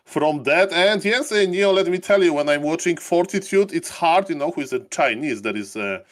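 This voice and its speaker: A man's voice: fairly high pitch, animated, normal speed. A man co-casting a live esports broadcast, with rambling, enthusiastic banter full of fillers. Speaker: esports co-caster.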